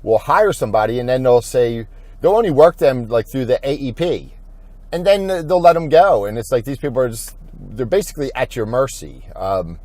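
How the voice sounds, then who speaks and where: A man talking through an informal corporate training video as an insurance agent, thinking aloud in a halting, rambling way. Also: medium pitch, a little mellow.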